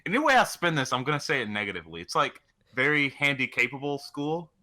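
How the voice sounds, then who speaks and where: A man's voice: mid-range voice, very animated, quick pace, pushed and bright. A young man co-hosting a casual chat in a blunt, irreverent way, swearing casually. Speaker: podcast co-host.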